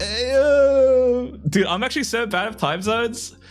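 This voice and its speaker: An American accent with music in the background. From Australia. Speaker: 3D artist streamer. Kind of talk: casual livestream chat. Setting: livestream. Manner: casual, filler-heavy, stammering repeats.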